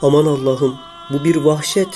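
Cartoon teacher voiced by a man: dark, soft-edged timbre, kindly and inquisitive, fond of prompting pupils. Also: fairly high pitch, fairly even intonation, normal speed, soft background music, natural voice. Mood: amazed. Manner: addresses pupils fondly, asks leading questions. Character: kindly, curious school teacher, easily amazed. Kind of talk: scripted comic cartoon dialogue.

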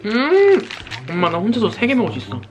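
A woman's voice: fairly high pitch, very animated, fairly quick, muffled recording, a little hiss or hum. A young woman vlogger chatting and humming over food with her mouth full, chewing as she talks. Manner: savoring food with hums. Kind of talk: casual eating vlog chat.

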